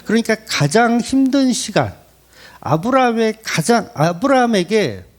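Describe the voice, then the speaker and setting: A man preaching a sermon as a pastor, speaking conversationally and asking his congregation questions. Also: sits high. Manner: lively, rising emphasis. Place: church.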